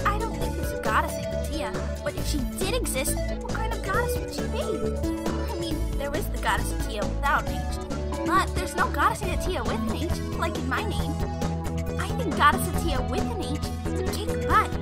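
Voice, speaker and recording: A woman playing a bubbly, eccentric fifteen-year-old girl student in an audio drama, excitable, chatty and relentlessly friendly. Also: extremely high pitch, moderate pace, loud music behind the voice. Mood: excited, gushing.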